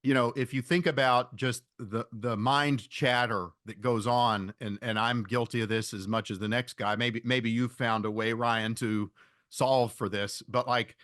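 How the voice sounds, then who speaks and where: Thoughtful, halting man, dry close sound. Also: medium pitch, fairly even intonation, fairly bright tone, dry recording. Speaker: podcast guest, investor. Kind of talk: reflective conversational interview answers.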